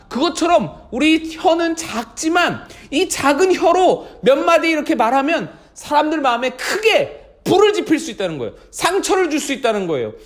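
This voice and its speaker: A man gives a children's sermon in a very high voice. His pitch rises and falls a lot, and he keeps asking the children questions. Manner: animated, speaks directly to children with questions. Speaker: children's pastor.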